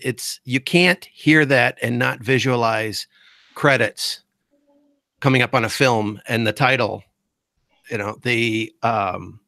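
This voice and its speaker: A man talks slowly on a podcast, pausing often and hunting for the right words. His voice sits at an ordinary middle pitch. The sound is close and dry. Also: creaky, sharp tone, no echo. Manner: halting, searching for words with many fillers. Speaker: guest host. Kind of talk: casual podcast discussion.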